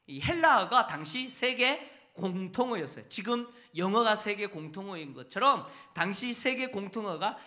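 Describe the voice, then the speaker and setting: Male pastor, sermon delivery, bright forceful tone, teacherly with constant rhetorical questions. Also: high-pitched. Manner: teaching, asks the congregation frequent rhetorical questions. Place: church sanctuary.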